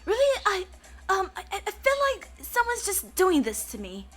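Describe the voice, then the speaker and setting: A woman hosting a let's play, giving excitable game commentary that often stammers and reacts out loud. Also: extremely high pitch, normal speed.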